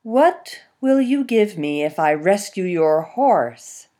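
A woman voicing a clever, scheming female fox who bargains in a sly, lively way. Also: medium pitch, slow pace.

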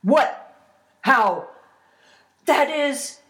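A woman's voice: fairly high pitch, big pitch swings, slow, pitched above the performer's own voice, full character voice. Woman acting out a blustering storybook troll, echoey. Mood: gullible amazement. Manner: threatening yells giving way to pleading. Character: enormous blustering male troll, easily frightened and gullible. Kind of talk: folktale storytelling.

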